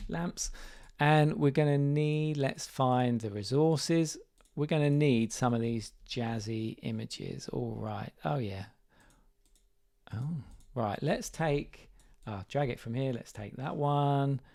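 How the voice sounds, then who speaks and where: A man with a slightly croaky voice, thinking aloud and correcting himself as he demonstrates software live. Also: medium pitch. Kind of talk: live screen-share walkthrough.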